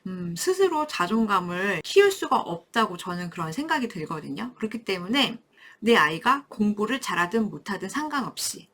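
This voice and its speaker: A woman giving a parenting lecture to camera, explaining things warmly and acting out short quotes from parents and children. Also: mid-range voice, very animated, normal speed. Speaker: parenting educator. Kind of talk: talking-head parenting lecture.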